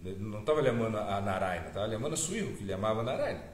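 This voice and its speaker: Halting, low-voiced man preaching in an echoey room. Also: animated, a little hiss or hum. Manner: mixes Spanish words into Portuguese, halting with many fillers. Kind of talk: sermon storytelling.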